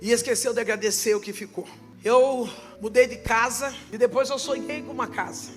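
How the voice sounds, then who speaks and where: A woman pastor preaching a sermon with passion, often swelling into shouts. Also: a little high, moderate pace, over music.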